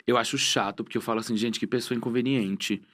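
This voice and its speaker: A young man with a Brazilian Portuguese accent, chatting as a guest and telling stories, acting out what people said. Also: mid-range voice. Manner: fast animated storyteller, acts out quotes. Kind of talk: casual chat.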